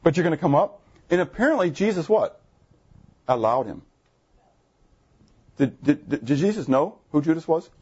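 A man preaching a sermon to his congregation, animated, asking the room questions, with jumps in pitch when he gets excited. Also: normal speed, pauses often, slightly rough, highs cut off. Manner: jumpy pitch, bursts high when excited. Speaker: pastor. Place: church assembly room.

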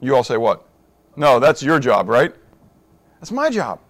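A middle-aged pastor delivers a sermon in a conversational style, putting questions to the congregation and shifting from hushed asides to emphatic points. His voice sits at a medium pitch with a sing-song lilt and a measured pace.

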